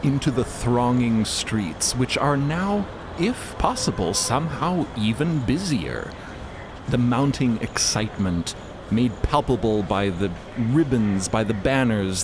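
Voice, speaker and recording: A man's voice: medium pitch, lively intonation, measured pace, noisy background. A man narrating a scripted story in a dramatic storytelling style. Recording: music behind narration.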